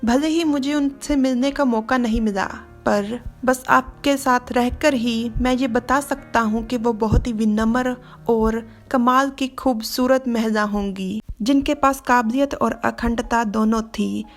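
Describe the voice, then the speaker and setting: A woman voicing a gentle, devoted young man who speaks softly and comfortingly. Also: a little high, fairly even intonation, measured pace, few pauses, soft background music. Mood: tender. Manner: soft, comforting.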